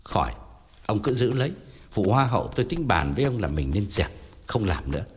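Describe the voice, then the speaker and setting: A man's voice: fairly low pitch, a little fast, breathy edge, long reverb tail, faint music behind, voice pushed down. A man doing a cool, dismissive middle-aged man. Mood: curt. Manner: flat, curt and offhand.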